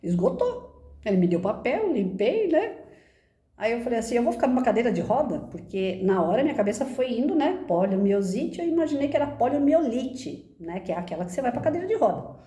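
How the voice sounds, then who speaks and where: A woman with a Brazilian Portuguese accent telling a personal story in an expressive, animated way, often tagging sentences with a questioning aside. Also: on the high side, a little fast. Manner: expressive, animated retelling with frequent "né?". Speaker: speaker giving a personal testimony. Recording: roomy echo.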